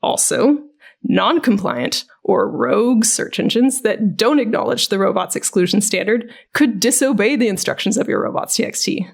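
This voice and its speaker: A woman's voice: mid-range voice, expressive, normal speed, creaky. A woman giving a scripted, dramatic reading of technical documentation. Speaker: podcast co-host reading aloud.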